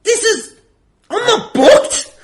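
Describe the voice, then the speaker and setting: A man's voice: very high voice, big pitch swings, takes it slowly. A man hosting a wrestling podcast, arguing indignantly and comically with plenty of swearing. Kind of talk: improvised comedic argument on a podcast.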